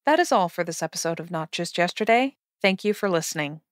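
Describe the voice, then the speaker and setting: A woman's voice: lowish voice, lively intonation, a little fast, background noise. A woman hosting a podcast, speaking in a scripted sign-off style. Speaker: podcast host.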